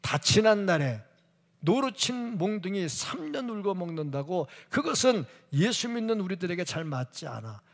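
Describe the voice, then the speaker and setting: A man's voice: high voice, sing-song, moderate pace. A man preaching a sermon as pastor, emphatic, firing rhetorical questions and dropping to a whisper when he quotes people. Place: church sanctuary. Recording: church hall reverb.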